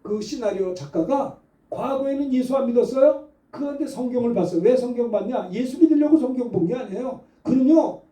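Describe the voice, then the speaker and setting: Male pastor, middle-aged, high voice with a dark, mellow tone, chatty storytelling sermon, roomy church sound picked up from a distance. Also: expressive, brisk. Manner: conversational storytelling, building to fervent exhortation. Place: church sanctuary. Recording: echoey church hall, mic at a distance.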